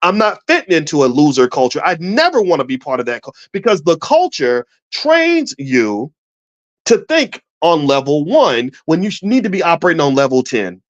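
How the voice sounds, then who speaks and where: A man's voice: fairly high pitch, very animated, moderate pace, highs cut off. A man giving impassioned commentary in a preachy, emphatic way, putting questions to his listeners.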